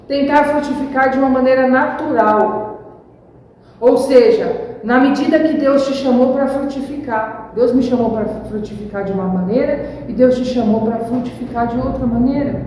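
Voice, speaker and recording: A woman's voice: fairly high pitch, warm tone, slight background noise. Emphatic woman pastor preaching in a hall. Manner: preaching with rising emphasis and acted examples. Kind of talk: sermon. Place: church hall. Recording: echoey church hall from far off.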